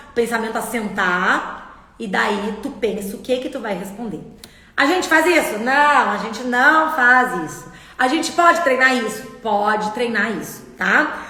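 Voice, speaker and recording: A woman's voice: fairly high pitch, pushed and bright. A middle-aged woman, hosting a casual motivational live talk, chatty and talking straight to her audience. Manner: chatty, asks the audience, reads comments aloud. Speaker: live stream host and speech therapist. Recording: echoey room with long reverb.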